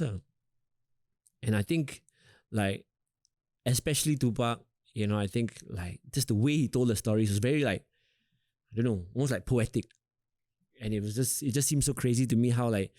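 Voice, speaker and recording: This is a young Singaporean man, a rapper, speaking casually in an interview with a Singaporean English accent. He rambles in a relaxed way, using lots of fillers, in a medium-pitched voice. The studio sound is clean, with no room sound.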